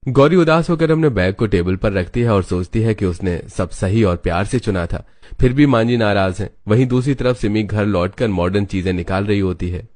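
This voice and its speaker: A male narrator reads a scripted animated family story. His voice sits fairly low and he keeps a steady storytelling pace. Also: normal speed, no echo.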